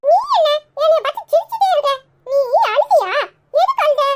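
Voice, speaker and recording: Voicing a chirpy, cheeky little boy who is chatty and bossy, this woman speaks fairly quickly in a very high, animated voice with a Tirunelveli Tamil accent. It's cartoon voice acting, and there is clear background noise.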